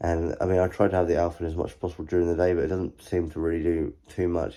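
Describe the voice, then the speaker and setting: Very fast and monotone, a man speaks at a very deep, low pitch in a dark, mellow tone against a quiet background. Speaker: vlogger sharing health experience. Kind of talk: personal video diary. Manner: mumbling; halting, many fillers.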